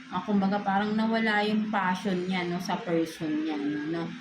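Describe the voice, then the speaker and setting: A woman's voice: mid-range voice, little pitch movement, normal speed, reverberant, noisy background. A woman with a Filipino accent giving a casual tarot reading, tagging nearly every phrase with a questioning "no?". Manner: mixes English into Filipino, ends phrases with a questioning "no?". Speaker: tarot reader.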